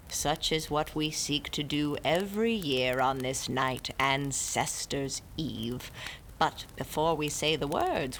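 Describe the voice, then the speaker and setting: Woman doing a stern old storyteller in a radio drama, low voice, slow and solemn, faint ambience behind. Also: creaky, a bit bright, a little hiss or hum, full character voice, rough recording. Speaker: narrator and ritual leader. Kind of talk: audio drama acting.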